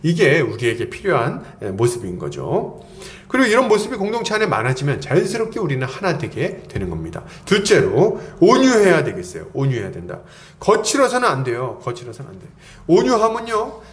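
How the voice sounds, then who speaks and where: A middle-aged man preaching an expository sermon as pastor, conversational and playful, with acted-out quotes and asides. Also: high-pitched.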